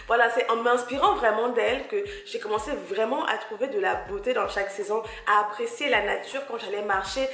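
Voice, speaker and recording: Woman podcaster, gravelly edge, roomy sound. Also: on the high side, a little fast, hardly any pauses, a bit bright. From grew up in Cameroon, living in France. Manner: conversational, hesitant searching for words, addresses listener directly. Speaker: podcast host. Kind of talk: casual solo podcast talk, encouraging advice.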